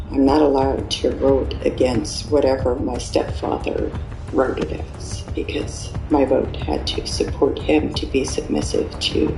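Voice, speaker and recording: A former Amish speaker, a native speaker of Pennsylvania Dutch, explains things in a slow, deliberate, measured way. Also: medium pitch, gravelly, a little mellow. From Amish settlements in the US. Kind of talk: earnest explanatory talk. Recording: echoey room with music underneath.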